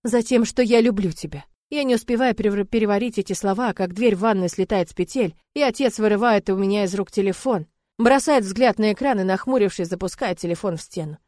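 A woman's voice: medium pitch, fast talker, a little mellow, no room sound, clean studio sound. A woman reading a first-person novel aloud with emotional, dramatic delivery. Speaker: audiobook narrator.

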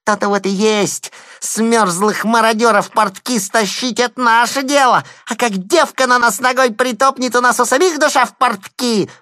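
A woman voicing a shrill, mocking male hanger-on who squeals, jeers and giggles in a sing-song way. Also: moderate pace, a bit bright, no room sound, clean studio sound, close to an everyday voice. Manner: taunting, sing-song, cackling. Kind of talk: audio drama acting.

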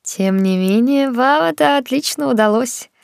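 A woman narrator voicing a poised court lady in her fifties, measured and slightly gloating. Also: sits high, vocal fry, darkish tone, smooth, no echo, pitched above the performer's own voice. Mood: approving. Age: 50s. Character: poised older court lady, wry and gracious.

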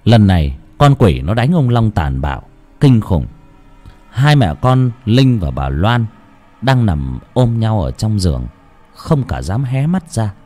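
Man, ghost story narrator, lively rise and fall, faint music underneath. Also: fairly low pitch, slow. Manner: dramatic, expressive storytelling.

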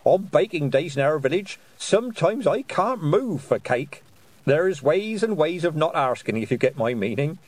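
A man's voice: fairly high pitch, sing-song, moderate pace, a little mellow, pitched above the performer's own voice. A man voicing a short, jolly old woman witch who chats in a folksy, knowing way. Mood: cheeky.

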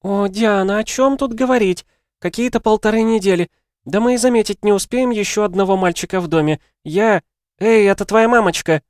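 A man reading an audiobook, voicing an excitable, gushing woman friend on the phone. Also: high-pitched, brisk, clean tone, no room sound, clean studio sound, pitched above the performer's own voice, natural voice. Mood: warm, gushing. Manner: effusive, exclaiming.

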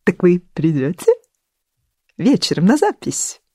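A flirtatious middle-aged charmer who speaks in smooth, sweet tones, as an audiobook reader plays him. He purrs his compliments softly and evenly. The storybook reading sounds dry and close. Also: mid-range voice, wildly swooping pitch, a little slow, no echo, heavily acted. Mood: suave.

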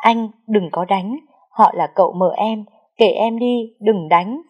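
A woman's voice: mid-range voice, lo-fi sound. Woman voicing a weeping frail young girl. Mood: tearful pleading. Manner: tearful, pleading, slow. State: crying.

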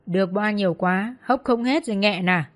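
A woman's voice: medium pitch, normal speed, lightly acted. A woman voicing a jealous, spiteful young hostess who taunts and tattles. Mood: sneering. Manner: sneering, taunting.

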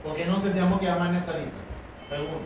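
A man's voice: high voice, fairly even intonation, quick pace, a crowd in the background. A man born in Chile and raised in Venezuela, leading a Bible class and drilling the group with question after question. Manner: probing, keeps asking rhetorical questions. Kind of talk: Socratic class discussion. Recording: echoey room, voice from far off, noisy.

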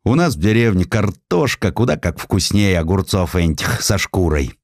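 A man's voice: low voice, big pitch swings, moderate pace, no echo, studio quality, pitched above the performer's own voice, exaggerated voice. A man voicing a huge young village-born Russian hussar, simple and homesick, speaking in a folksy, exclamatory way for a storybook. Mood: grumbling. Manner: folksy, exclamatory, plain-spoken.

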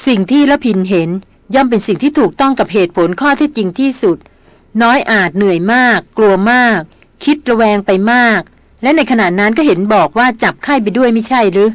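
A woman voicing a calm older brother in an audiobook, reasoning in a measured, soothing way. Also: a little high, dry recording, close to an everyday voice. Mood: reassuring.

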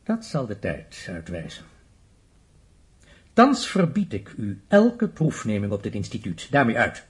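Male director figure, middle-aged, radio play: stern, scornful, clipped, highly varied intonation. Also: huge pitch swings, measured pace. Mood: cold, threatening. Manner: pompous, clipped, commanding. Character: stern, haughty institute director, authoritarian and scornful. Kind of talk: Dutch radio play acting.

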